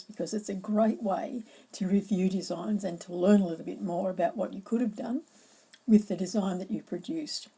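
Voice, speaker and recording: A middle-aged woman with a croaky voice, presenting an educational floral design talk in a measured, explanatory way. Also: mid-range voice, dark tone, low-quality recording.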